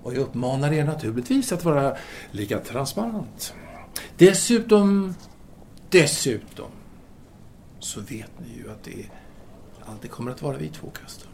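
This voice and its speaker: A man's voice: mid-range voice, sing-song, vocal fry, a little mellow, slight background noise. An actor playing a self-absorbed French intellectual lover in an audio drama, speaking formally and hesitantly as he earnestly justifies himself. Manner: formal, halting, theatrical hesitations.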